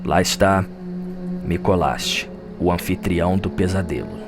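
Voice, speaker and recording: A man's voice: sits low, expressive, measured pace, vocal fry. A man with a Brazilian accent, giving dramatic scripted narration of a fantasy game story. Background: music.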